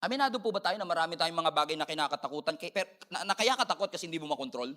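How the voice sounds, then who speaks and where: A man with a Filipino accent preaching an animated sermon as pastor, mixing in English and calling for amens. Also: fairly high pitch, rapid-fire.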